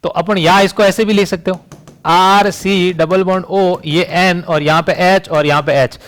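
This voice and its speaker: Man, chemistry teacher, classroom lecture, higher voice, rhetorical questions. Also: fairly even intonation, unhurried. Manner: rhetorical questions, frequent "समझ रही बात?".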